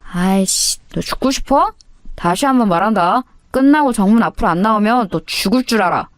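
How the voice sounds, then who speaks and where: A woman voicing a menacing teenage boy bully who talks in a rough, threatening way. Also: medium pitch, animated, fairly quick, no echo, studio quality, soft background music, close to an everyday voice.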